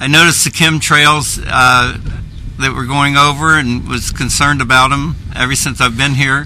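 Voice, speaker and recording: Audible room echo and noticeable background noise surround speech with fairly even intonation. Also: man. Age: 70s. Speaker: citizen giving testimony. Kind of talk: testimony. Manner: halting.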